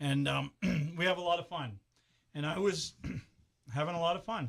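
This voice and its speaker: Moderate speech from a man, captured on a very clean recording with a silent background. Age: 60s. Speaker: motorsports radio show host. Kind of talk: casual chat.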